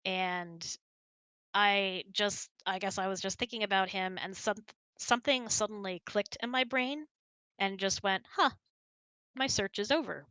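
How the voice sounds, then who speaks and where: A woman in her thirties chats casually as a host fielding questions. Her voice is bright and medium in pitch, with a giggly edge. The sound is close and dry. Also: fairly even intonation, a little slow, smooth, dry recording. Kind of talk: casual chat, reading out and answering questions. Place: indoors, close and dry online voice hangout.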